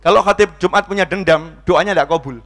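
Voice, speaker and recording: A man preaching a sermon to a mosque congregation, jumping between loud raised exclamations and soft, low asides, with playful jokes for the listeners. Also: fairly quick.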